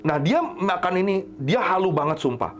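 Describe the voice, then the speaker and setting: A man tells a story in casual podcast chat, his pitch swinging widely as he talks. He jumps into high, loud voices to act out his friends. Soft music plays faintly behind him. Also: moderate pace. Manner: animated, jumps up high when acting out friends.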